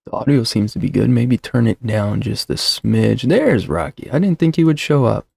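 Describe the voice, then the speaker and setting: A man's voice: mid-range voice, normal speed, vocal fry, a little mellow, husky, no room sound, studio quality. A man in his thirties hosting a casual livestream, rambling and self-deprecating, full of fillers and restarts, talking into a desk mic at home. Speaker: livestream host. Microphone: desk mic with shock mount.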